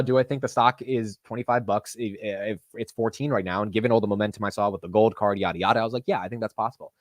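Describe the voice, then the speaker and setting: Fast-talking young man, dry close sound. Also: no room sound. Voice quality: deep voice. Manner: animated, says "dude" and "like" a lot. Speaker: host of a live market stream. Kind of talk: casual livestream chat.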